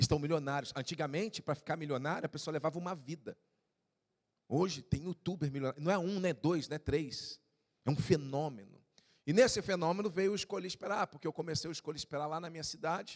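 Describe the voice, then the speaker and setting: Talking at a very fast pace with a slight Carioca accent, a man uses a fairly high pitch with ordinary variation, the sound dry and close with no echo. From Rio de Janeiro, Brazil. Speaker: pastor. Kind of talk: sermon. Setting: stage with audience.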